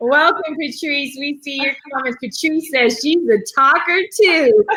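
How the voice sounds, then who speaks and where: With an American accent and a raised, projected voice, a woman speaks at a high pitch and a fairly slow pace with ordinary pitch variation over noticeable background noise. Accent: Southern drawl, per others. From Texas, Austin. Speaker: talk show host. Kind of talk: live-streamed interview.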